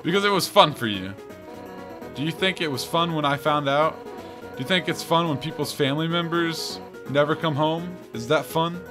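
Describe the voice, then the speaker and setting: A man's voice: a little high, normal speed, lightly acted. A man voicing a fierce, hot-tempered female monster warrior in a video game, grand and accusing in delivery. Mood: accusing, scornful. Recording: game music behind the voice.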